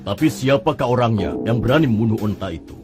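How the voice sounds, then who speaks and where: A man's voice: medium pitch, expressive, fast, music in the background, close to an everyday voice. A man voicing a stern male tribal elder in a dubbed cartoon.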